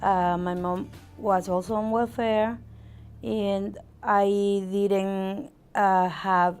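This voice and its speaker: A woman's voice: mid-range voice, flat delivery, very slow, darkish tone, clean tone, faint music behind. A woman speaking hesitantly with many fillers in an interview.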